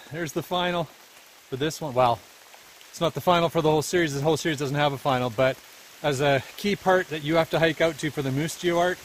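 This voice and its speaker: A man in his forties hosting a geocaching travel vlog, talking in an upbeat, playful tour-guide way. He films himself outdoors with a camera held at arm's length. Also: a little high. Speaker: geocaching vlogger host. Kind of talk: travel vlog with voice-over narration. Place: outdoors at seaside and trails. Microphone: handheld camera at arm's length.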